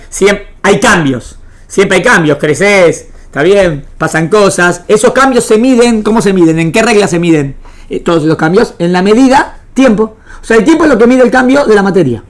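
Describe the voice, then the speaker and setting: Speaking a little fast in an animated, mid-range voice, this Argentine Spanish-accented woman teaches religion to a small class. Her lecture is interactive and didactic: she repeats phrases and often asks whether the class has understood.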